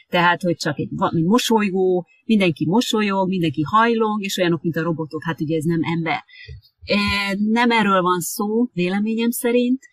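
An interviewer in a relaxed conversation who talks thoughtfully, with frequent filler sounds and restarts. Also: mid-range voice, no room sound. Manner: hesitant, many filler sounds. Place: lives in Japan.

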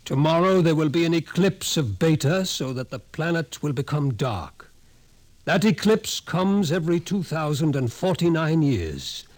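Wry, ominous radio-drama professor. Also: male voice, on the high side, lively intonation, measured pace, darkish tone. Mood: grave, ominous. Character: scrawny male psychology professor, wry, ominous doomsayer. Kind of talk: 1950s radio drama acting. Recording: vintage 1950s radio recording.

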